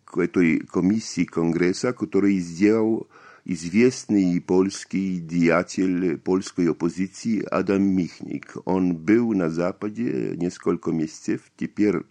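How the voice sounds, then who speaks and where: A man's voice: low voice, gravelly, dark tone. A man in his fifties, a native Polish speaker with a Polish accent, answering interview questions hesitantly with many fillers and restarts. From Poland. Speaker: interview guest, writer.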